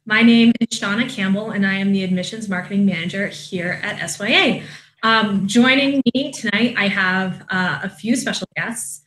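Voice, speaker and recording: A woman's voice: medium pitch, normal speed, fairly bright tone, roomy sound, rough recording. A woman hosting an online alumni hangout, friendly and upbeat, with many "um"s and "uh"s. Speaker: admissions marketing manager hosting an online hangout. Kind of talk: casual moderated video chat.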